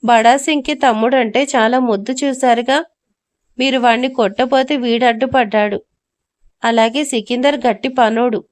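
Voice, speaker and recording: A woman's voice: a little high, fairly even intonation, normal speed, natural voice. Woman doing a timid pleading villager. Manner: pleading, anxious.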